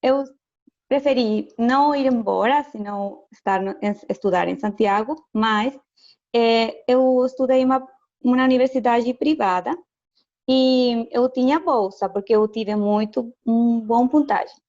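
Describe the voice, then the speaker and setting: A woman with a slightly high, darkish voice talks a little slowly on a muffled recording. Originally a Spanish speaker from Chile and now an education lecturer, she is interviewed casually over video call, speaking careful, hesitant Portuguese in a Chilean accent and laughing frequently.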